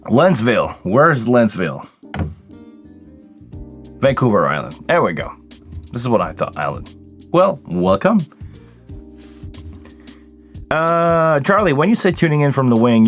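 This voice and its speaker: A man's voice: mid-range voice, lively intonation, normal speed, faint music behind. A tired man, hosting a casual livestream Q&A and chatting with viewers by name. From Quebec, Canada. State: tired, voice deeper than usual this morning. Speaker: live sound engineer hosting a livestream.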